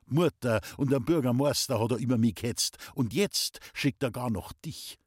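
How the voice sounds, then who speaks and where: A man's voice: mid-range voice, normal speed, slightly rough, dry recording, natural voice. A curt, brooding young villager, as a reader plays him, clipped and dry in every answer. His voice stays close to the reader's own mid-range tone, recorded dry and close for a storybook audiobook. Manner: terse, dry.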